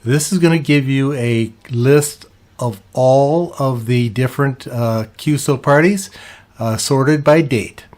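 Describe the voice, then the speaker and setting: A man narrating an instructional walkthrough as a video host, in a measured, explanatory way. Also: medium pitch, darkish tone. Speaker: ham radio video host. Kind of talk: instructional narration, walking through a website.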